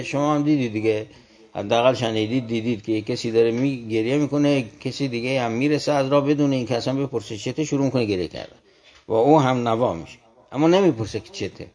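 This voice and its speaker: A man in a conversation, explaining poetry in a measured, formal way and reciting verse lines slowly. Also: mid-range voice, a little mellow. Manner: polite formal address. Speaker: guest explaining classical poetry.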